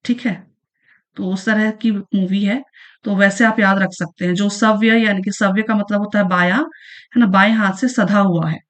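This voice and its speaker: A woman's voice: mid-range voice, steady tone, normal speed. A woman teaching an online exam-prep lesson, patiently repeating each definition and checking in with the listener as she goes. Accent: Chhattisgarhi Hindi. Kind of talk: online lesson going through past exam questions.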